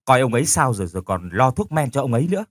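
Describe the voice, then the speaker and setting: A man's voice: medium pitch, big pitch swings, very fast, no echo, clean studio sound. A man voicing a brash, kind-hearted young woman who bosses her friend around bluntly, in an audio story. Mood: bossy caring. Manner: bossy, blunt, swears affectionately.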